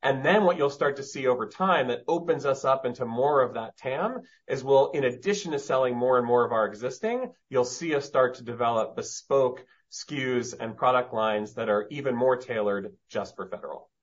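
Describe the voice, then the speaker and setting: A man's voice: medium pitch, lively intonation, moderate pace, hardly any pauses. A man speaking as a company executive, methodically explaining business strategy with emphasis and plenty of jargon. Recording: dull, lo-fi conference-call audio.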